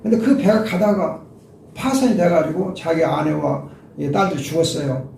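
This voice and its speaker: A man's voice: a little high, moderate pace, gravelly, darkish tone, recorded from a distance, a little hiss or hum. Older male pastor preaching in an echoey room. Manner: emphatic preaching, addresses listeners directly. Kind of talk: expository sermon.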